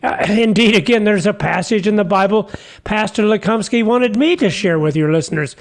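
Give me a humble fisherman apostle for a radio skit, high-pitched, earnest and halting. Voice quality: halting, repeats his words. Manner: earnest, homespun, chatty. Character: humble folksy fisherman apostle, middle-aged man. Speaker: guest character. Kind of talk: comic radio sketch.

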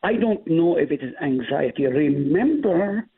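Gravelly native Hebrew speaker on a phone line. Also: male voice, fairly high pitch, animated, unhurried. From Middle East. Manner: emphatic, explaining with rising stress. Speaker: pastor guest. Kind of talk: Bible study discussion. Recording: tinny phone-line audio.

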